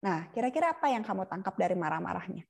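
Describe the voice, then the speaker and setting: A woman's voice: medium pitch, sing-song, very fast, gravelly. A woman lecturing on palliative care in a casual, chatty way, often laughing and acting out patient and nurse lines. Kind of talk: casual online lecture with role-play examples.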